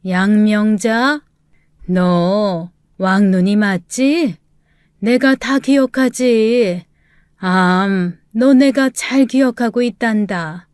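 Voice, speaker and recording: A woman voicing a gentle, frail old grandmother on her deathbed, speaking slowly and weakly in halting phrases. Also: mid-range voice, smooth, no echo, studio quality. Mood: tender. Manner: slow, weak, halting speech.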